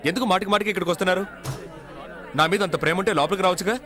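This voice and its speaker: A sly, streetwise young prisoner, voiced by a man in a dubbed film, trading jabs in a high, brisk voice. He rattles his lines off quickly, mocking one moment and sulking the next. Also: steady tone, crowd noise, natural voice. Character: cheeky jailed young man, sly and wounded. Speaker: film character.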